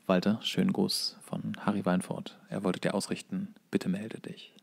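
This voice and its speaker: Wry man in relaxed comedic chat. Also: low-pitched, normal speed, creaky. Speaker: podcast co-host. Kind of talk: casual comedic banter.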